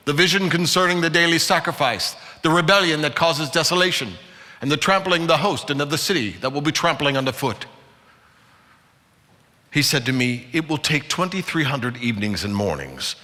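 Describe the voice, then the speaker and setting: A man giving a dramatic Bible reading before a live hall, theatrical and emphatic, with deliberate pauses. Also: fairly high pitch, sharp tone. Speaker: dramatic scripture reader. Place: large indoor conference hall. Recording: live hall with long reverb.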